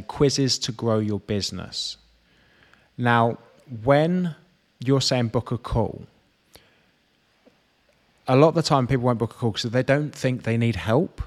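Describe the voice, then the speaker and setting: Man explaining in a mid-pitched voice. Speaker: host and fitness business coach. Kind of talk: conversational advice with analogies.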